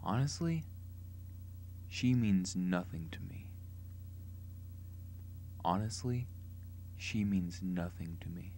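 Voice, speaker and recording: A man's voice: low voice, expressive, slow pace, pauses often, mellow, full character voice. A man voicing an aloof, dismissive young romantic lead with curt, earnest delivery, in an amateur audition with hiss. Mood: dismissive, insistent. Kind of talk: amateur character audition lines.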